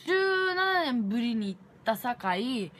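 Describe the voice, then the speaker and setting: A young woman with a Kansai accent tells a story in a casual vlog. Her voice swings widely in pitch as she acts out her own reactions. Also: sing-song, a little slow, a bit bright, slight background noise. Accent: Kansai Japanese. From Japan. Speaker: vlogger.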